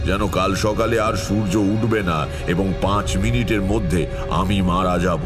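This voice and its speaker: A confident tantric tells a horror story in an audio drama. His voice is extremely low and unhurried, measured and atmospheric, with music clearly playing behind it. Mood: steady, ominous. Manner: measured, atmospheric, self-assured. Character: Taranath, seasoned confident male tantric recounting eerie tales.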